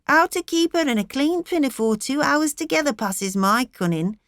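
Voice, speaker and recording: A woman's voice: high-pitched, expressive, normal speed, fairly bright tone, dry recording, studio quality, pitched above the performer's own voice. A woman playing a fretful, complaining country mother. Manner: fretful, plaintive scolding.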